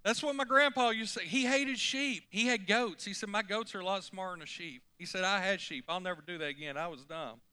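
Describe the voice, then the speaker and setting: A male pastor preaching a folksy, animated sermon, often climbing suddenly to loud emphasis. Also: high-pitched, a little fast, few pauses, smooth, no echo.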